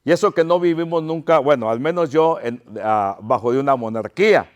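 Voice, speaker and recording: A man's voice: fairly high pitch, a little fast, smooth. A pastor preaching an impassioned sermon to his congregation, crying out pleas and calling them his brothers.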